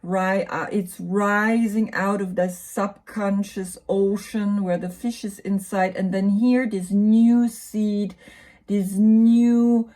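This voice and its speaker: A woman with a German accent, explaining tarot cards in a relaxed, musing way, with lots of fillers and tag questions. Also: medium pitch, slow pace. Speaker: tarot reader and yoga teacher. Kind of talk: casual explanatory talk about tarot cards.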